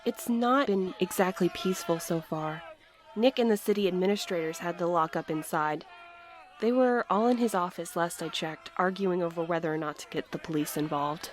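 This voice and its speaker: A woman's voice: lowish voice, normal speed, slight background noise, lightly acted. A woman playing an earnest, practical co-worker in an audio drama, explaining things matter-of-factly. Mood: concerned. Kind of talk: audio drama dialogue, conversational.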